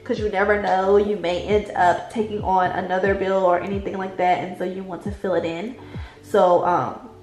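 A woman's voice: mid-range voice, flat delivery, moderate pace, darkish tone, roomy sound, faint music behind. A woman with a stuffy, congested voice chatting casually to her viewers as she fills in a budget planner, calling them y'all. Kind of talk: casual chat while writing in a planner. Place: indoors at a desk at home, late at night.

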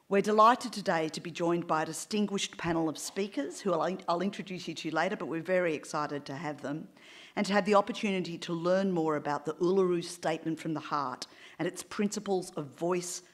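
A middle-aged woman hosts from a lectern microphone on an auditorium stage. Her voice sits a little low for a woman. She speaks in a measured, welcoming way, making formal introductions. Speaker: event host.

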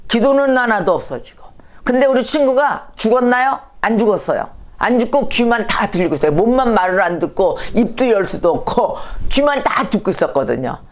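A woman pastor preaching a storytelling sermon, lively and anecdotal, full of rhetorical questions. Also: fairly high pitch, a little fast.

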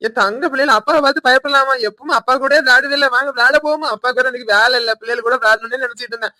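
Cartoon: man as an indebted husband, rapid and sharp, dry close voice, Tirunelveli Tamil. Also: very high-pitched, no room sound, exaggerated voice. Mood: coaxing. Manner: fast, defensive, pleading. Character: idle indebted village husband and father. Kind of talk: animated cartoon voice acting.

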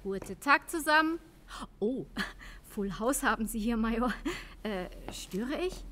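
Female pathologist, tired but brisk, precise, clinical, radio crime play. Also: fairly high pitch, lively intonation, bright, forceful tone, a little hiss or hum, heavily acted. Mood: breezy, teasing. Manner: precise, matter-of-fact. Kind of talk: German crime radio drama acting.

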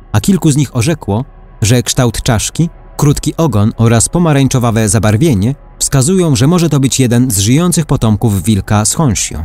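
A man reading a scripted article aloud as a narrator, in a measured storytelling manner, like a documentary. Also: mid-range voice, warm tone. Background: faint background music.

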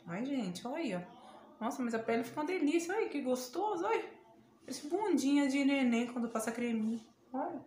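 A woman's voice: on the high side, reverberant, a little hiss or hum. A Brazilian woman with a Brazilian Portuguese accent, chatting casually to camera in a beauty tutorial at home, exclamatory and prone to laughing yelps. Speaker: beauty vlogger. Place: home room, indoors.

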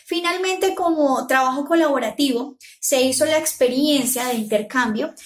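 Brief: young Colombian woman with a high voice, reading a formal conference talk to a webcam. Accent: Colombian Spanish. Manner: measured, formal, enumerating steps. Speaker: teacher presenting a conference paper. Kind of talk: read academic presentation. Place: indoor room, talking to camera.

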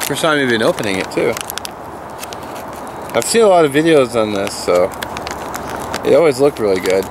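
A middle-aged man talks in a relaxed, chatty way as he cooks outdoors at a forest campsite, thinking aloud about what he is doing. His pitch sits in an ordinary middle range. The camera mic picks up clear outdoor noise around him. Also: normal speed. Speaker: camping vlogger. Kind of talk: casual outdoor cooking vlog. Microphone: camera-mounted mic, speaker moving near and away.

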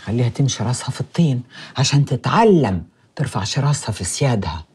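An actress playing a scheming, vengeful middle-aged village matriarch, gloating and sly. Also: female voice, very deep voice, very animated, fast, a little mellow, slightly rough, full character voice. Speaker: mother-in-law. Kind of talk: TV drama acting. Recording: faint music score behind.

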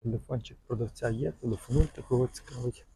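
Male vlogger, mellow gravelly tone, loose rambling car-lot commentary recorded outdoors. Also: mid-range voice, fairly even intonation, fast, rough recording. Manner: chatty, fond of diminutives, loose and rambling. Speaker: vlogger showing cars for sale. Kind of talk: casual walk-around commentary.

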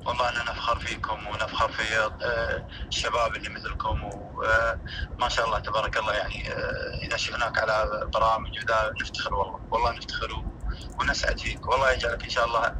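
A man, a former teacher on a phone call, speaking slowly and measured with many hesitations. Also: lowish voice, completely flat delivery, background noise. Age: 50s.

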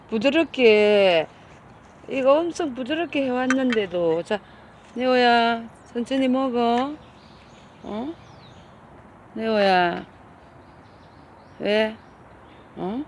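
A middle-aged woman who cares for cats and hosts the channel speaks slowly, with long pauses, in a fairly high, slightly mellow voice. Out on a hillside feeding the cats, she calls them over and over in a coaxing, loving tone, chatting casually. Slight background noise is audible.

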